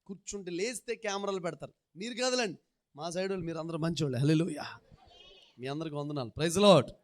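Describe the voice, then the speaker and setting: Fast and fairly high in pitch, a male pastor delivers his sermon through folksy stories, guiding the congregation to echo verses in rhythmic, repeated phrasing.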